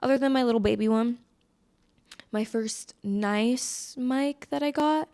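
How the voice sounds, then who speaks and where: A woman's voice: fairly high pitch, a little slow, darkish tone. An American woman hosting a solo podcast in a casual, chatty way, with a scratchy, slightly congested voice on a close microphone. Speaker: podcast host.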